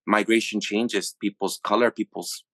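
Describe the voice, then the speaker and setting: A man from the USA hosting a podcast, talking through his thoughts in a halting, casual way with many restarts. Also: on the low side, fairly even intonation, no echo, clean studio sound. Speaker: podcast host. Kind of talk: casual reflective monologue.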